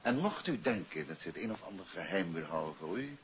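An actor playing a composed, courteous, faintly wry detective in a 1950s radio drama. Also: male voice, sits low, big pitch swings, fairly quick. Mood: businesslike. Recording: muffled, hissy old radio recording.

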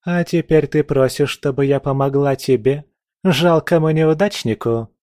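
A man's voice: mid-range voice, a little slow, dry recording, pitched above the performer's own voice, natural voice. A man voicing a haughty, scornful young princess who mocks and barks orders. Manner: mocking, imperious, shouting.

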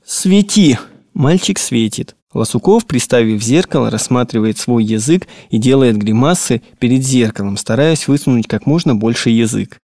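A man reading classic prose for an audiobook in an expressive, measured narration. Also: medium pitch, no room sound, clean studio sound. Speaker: audiobook reader. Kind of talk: scripted narration.

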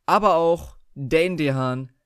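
A man's voice: fairly high pitch, slow pace, smooth, no echo, clean studio sound. A man hosting an interview, introducing his guest and asking questions. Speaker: interview host. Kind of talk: interview presenting.

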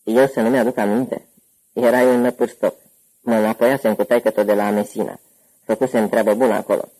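A man voicing a hoarse, corpulent older gangster uncle who talks boisterously and at length. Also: lowish voice, flat delivery, dark tone, natural voice, low-quality recording. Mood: jovial.

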